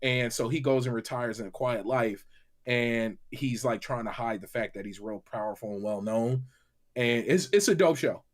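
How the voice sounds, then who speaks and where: Guy on a gaming podcast, normal mid voice, slangy and kinda halting, just chatting. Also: medium pitch. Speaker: panelist on a gaming livestream show. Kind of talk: casual chat and recommendations.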